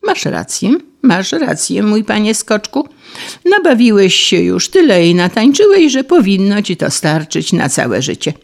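A woman's voice: medium pitch, very animated, unhurried, gravelly, a little mellow, voice pushed up. A woman voicing a fat, stingy old male mole who lectures smugly. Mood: smug scolding. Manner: smug and lecturing.

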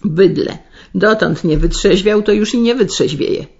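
A woman voicing a loud, brash working-class woman visitor who talks in shrill exclamations, on a slightly muffled radio recording. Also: a little slow, husky. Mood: scolding.

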